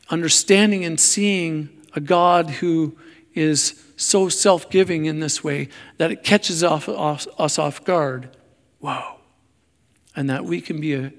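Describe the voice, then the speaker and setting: Slow, gravelly male preacher in a reverberant hall. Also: a little high. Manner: halting, searching for words, self-deprecating. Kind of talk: sermon.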